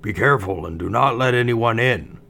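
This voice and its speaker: A man voicing a group of kindly, protective dwarf miners in a read-aloud fairy tale, speaking in a warm, cautioning way. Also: medium pitch, normal speed, vocal fry, pitched above the performer's own voice. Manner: kindly, warning. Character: seven kindly male dwarves, protective miners.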